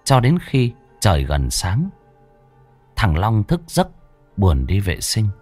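A man's voice: fairly low pitch, huge pitch swings, slow pace, darkish tone, soft background music. A man narrating a ghost story in a dramatic, suspenseful way.

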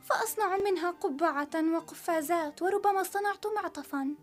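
A very high, eager young girl. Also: normal speed. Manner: childlike, pleading, playful. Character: young daughters, eager, dreamy girls. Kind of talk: radio story acting.

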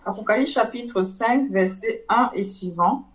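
A woman reading scripture aloud in a church teaching, steady and careful. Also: mid-range voice, measured pace. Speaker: Bible reader. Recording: dull lo-fi sound.

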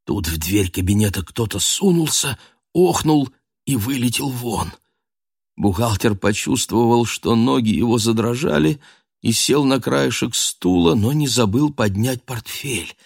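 A man narrating a literary audio drama in a measured storytelling manner. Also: mid-range voice, animated, creaky, breathy edge, no echo, clean studio sound.

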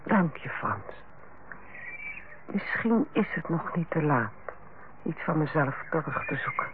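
A stern, reserved older head nurse in a radio drama. Her pitch swings widely within formal, clipped phrases, heard through a tinny, faintly noisy old recording. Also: lively intonation, a little slow. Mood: hesitant, moved. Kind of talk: Dutch radio play acting.

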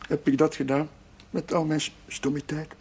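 An actor playing an eager, idealistic young Catholic chaplain in a naturalistic seventies television drama, speaking in an earnest, musing way. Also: male voice, fairly high pitch, little pitch movement, normal speed, gravelly, a little mellow, slight background noise. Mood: reflective. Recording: 1970s television soundtrack with music.

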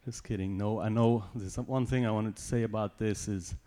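Swiss man, Swiss German accent, lowish voice, relaxed joking church testimony. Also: fairly quick, slight background noise. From Switzerland. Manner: informal, joking asides. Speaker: church guest giving testimony. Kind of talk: personal testimony talk.

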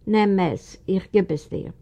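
A woman voicing a stout, middle-aged male soldier who grumbles and coaxes, in a storybook reading, with a gravelly voice. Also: medium pitch, unhurried, mellow, dull audio. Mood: coaxing. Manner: grumbling, coaxing.

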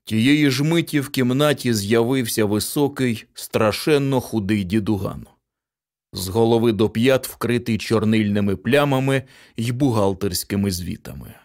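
A man's voice: lowish voice, normal speed, darkish tone. Man steadily reading an audiobook. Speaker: narrator.

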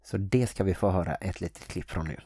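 Very low, husky male podcast host. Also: warm tone, no room sound, studio quality. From Sweden. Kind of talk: podcast hosting.

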